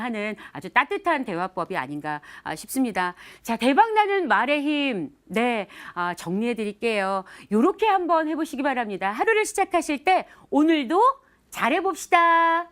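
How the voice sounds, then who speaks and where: A woman giving a televised lecture on communication, with a lively, sing-song delivery and acted example phrases. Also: on the high side. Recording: TV studio lecture.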